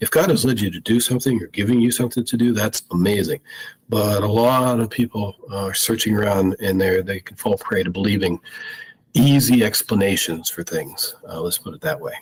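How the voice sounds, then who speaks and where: A plain, everyday voice with ordinary pitch variation moves at a fairly quick pace. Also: man, medium pitch for a man. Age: 50s. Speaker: guest sharing spiritual experiences. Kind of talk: personal testimony in interview.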